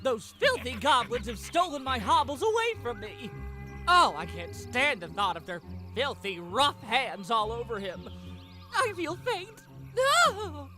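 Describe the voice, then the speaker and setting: An actor playing a flamboyant, melodramatic, effete wizard with a theatrical, swooning manner in a comic fantasy game. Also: male voice, very high voice, very animated, measured pace, pushed and bright, faint music behind, exaggerated voice. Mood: distraught, swooning. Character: flamboyant, melodramatic, effete male wizard mourning his stolen familiar.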